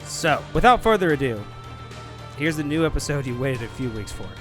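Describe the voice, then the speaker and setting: A man's voice: fairly high pitch, very animated, fairly quick. A man hosting a podcast, giving a casual, informal update to listeners with music playing behind him. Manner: chatty, informal. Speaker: podcast host. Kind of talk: casual spoken announcement to listeners.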